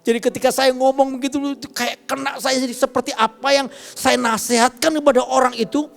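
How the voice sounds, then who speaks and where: High, gravelly-voiced male pastor preaching. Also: level tone, quick pace, a bit bright. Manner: storytelling preacher with emotional swings and direct audience calls. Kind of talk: sermon. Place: church online service. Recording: faint music behind the voice.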